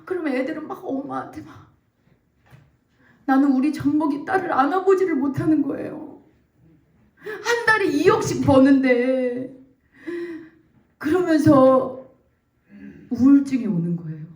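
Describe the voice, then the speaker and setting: Woman, 40s, church testimony, fairly high voice, roomy distant sound. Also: normal speed, pauses often. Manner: animated storytelling, acts out quotes, laughs and nearly cries. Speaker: church deacon giving testimony. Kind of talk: emotional testimony. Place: church sanctuary. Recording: echoey church room, mic at a distance.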